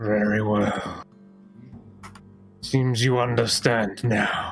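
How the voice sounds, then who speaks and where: A raspy, put-on character voice from a man, medium in pitch, monotone and flat, at a very slow pace, with clear music in the background. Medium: actual play. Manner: formal, riddling.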